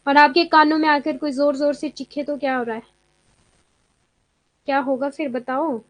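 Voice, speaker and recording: A woman's voice: sits high, flat delivery, moderate pace, no echo. A young woman teaching a live online exam class in a chatty way, mixing in English terms and answering students' comments as she goes.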